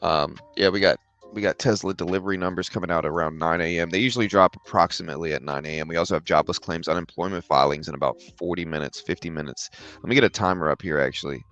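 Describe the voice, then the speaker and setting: A tired man with a very deep voice, hosting a live trading stream in a relaxed, rambling way and answering chat questions. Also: quick pace, soft background music. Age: adult with a daughter. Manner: relaxed, rambling, filler-heavy explaining. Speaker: livestream trading host. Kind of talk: casual live market commentary, reading chat questions.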